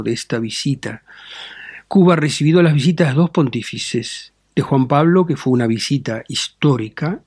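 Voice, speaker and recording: A middle-aged man, a Catholic bishop giving deliberate interview answers with frequent tag questions and fillers. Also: medium pitch, a little mellow, dry recording.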